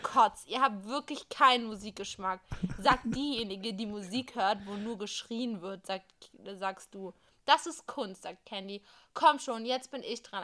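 A woman's voice: mid-range voice, pushed and bright. A woman co-hosting a podcast, reading an interactive story game aloud with casual asides.

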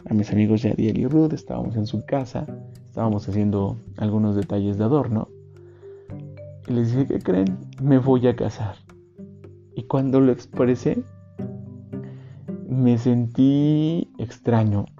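A man's voice: mid-range voice, mellow. A man, telling a personal testimony in an earnest, rambling, reflective way. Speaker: storyteller. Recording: dull recording with faint guitar music.

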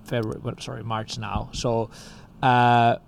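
A man's voice: medium pitch, flat delivery, a little slow, creaky. Spanish guy co-founder just chatting, lots of likes and you knows, faint hiss behind. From Spain. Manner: rambling, heavy use of "like" and "you know". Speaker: music school co-founder. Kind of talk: casual interview chat.

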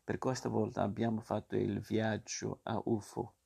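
A man's voice: on the low side, flat delivery, moderate pace, creaky, mellow, slightly rough, heavily acted. A man reading a storybook aloud and voicing a big black rabbit undertaker who speaks grimly and matter-of-factly.

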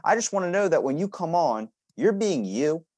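A man's voice: fairly high pitch, very animated, normal speed, a little mellow. A man hosting a podcast, chatting casually and bluntly with loose, sweary, conversational delivery. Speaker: podcast host.

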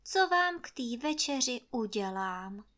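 A woman's voice: on the high side, big pitch swings, a bit bright, voice pushed up. A woman voicing a meek but cunning young peasant housemaid who pleads humbly and sweetly in a storybook reading. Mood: wheedling. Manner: humble, wheedling, sugary pleading.

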